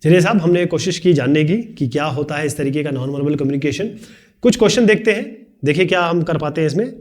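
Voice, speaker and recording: A man teaching a video lesson, explaining quickly and chattily with joking asides. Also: on the high side. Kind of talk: fast classroom video lesson.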